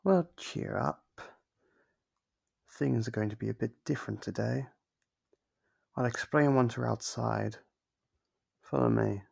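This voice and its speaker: A man playing a sadistic, playfully menacing monster captor in an ASMR horror roleplay, with a gravelly, husky voice and a slow, teasing delivery. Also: mid-range voice, darkish tone. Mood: smug, teasing.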